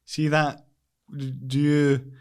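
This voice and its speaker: A man's voice: fairly high pitch, little pitch movement, slow, clean tone. A Scottish man hosting a casual podcast interview, bantering in a self-deprecating way. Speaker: podcast host.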